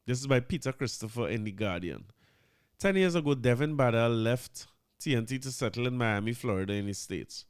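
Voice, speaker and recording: A man's voice: medium pitch, a little fast, clean tone, no room sound, studio quality. A man with a Trinidadian accent hosting a podcast, commenting casually and often repeating his words as he talks. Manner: chatty, animated, repeats words, mixes in Trinidadian Creole. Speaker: podcast host.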